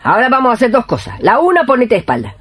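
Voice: medium pitch, huge pitch swings, racing, a bit bright, breathy edge, full character voice. An actor playing a humble, pious and cheeky old woman folk healer with an Argentine accent in a radio play, talking in a familiar, folksy way. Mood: brisk, bossy. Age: older. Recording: music behind the voice.

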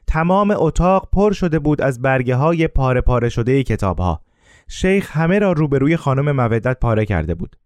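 A man narrating a first-person story in a calm, measured way, with scripted narration. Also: fairly high pitch, dry recording, studio quality.

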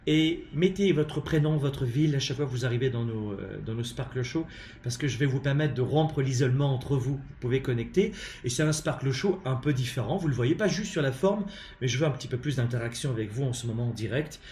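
A man with a French accent gives an emphatic, animated live-streamed talk on leadership from his home, his voice in the middle range. He stops often on hesitant fillers. The room sounds roomy, with faint ambience behind him. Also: mid-range voice, brisk, slight background noise. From France. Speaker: leadership coach and live show host.

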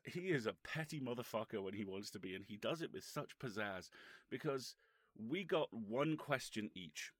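A man's voice: mid-range voice, lively intonation, normal speed, dry recording. A British man co-hosting a podcast, telling casual anecdotes in a profane, wry storytelling manner. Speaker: podcast co-host.

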